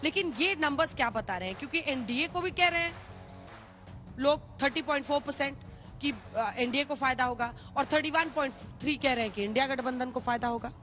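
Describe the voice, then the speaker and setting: A woman anchoring a televised political debate, briskly cutting in to steer the speakers. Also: high voice, a bit bright, faint music behind. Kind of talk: moderating a TV debate.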